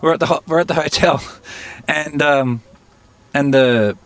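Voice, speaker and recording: A man telling stories in an interview, halting and searching for words, often laughing. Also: on the high side, no room sound. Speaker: interviewee, musician. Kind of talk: casual storytelling interview.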